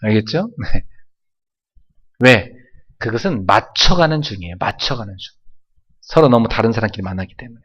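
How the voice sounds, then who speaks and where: A man preaching a sermon in a church, prompting the congregation to answer and repeat after him, dropping to quiet asides and then rising to loud exclamations. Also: fairly low pitch, lively intonation, moderate pace, long pauses, slightly rough, muffled recording. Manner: emphatic preaching with call-and-response prompts. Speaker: pastor. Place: church sanctuary.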